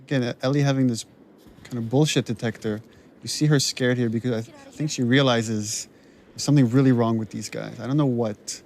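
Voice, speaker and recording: A man, the writer of the game, chatting on commentary, hesitant with many restarts but lively in his anecdotes. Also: medium pitch, brisk. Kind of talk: casual commentary chat.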